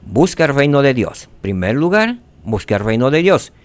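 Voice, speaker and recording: A man teaching a scripture lesson, asking rhetorical questions and dropping to soft tones for emphasis. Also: mid-range voice, big pitch swings, moderate pace, no room sound.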